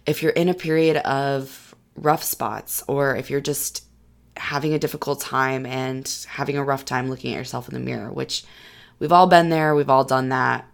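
A young woman hosting her own podcast as a lifestyle coach, hoarse from losing her voice, chatting warmly and encouraging listeners directly. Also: extremely low pitch. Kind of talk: solo podcast monologue. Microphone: studio podcast mic.

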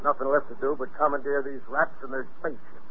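A man's voice: mid-range voice, little pitch movement, fast talker, a little hiss or hum, lightly acted. An actor playing a tough, righteous male space patrol officer in a 1950s radio drama, blunt and hard-boiled. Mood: stern, scolding. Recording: narrow, tinny vintage radio recording.

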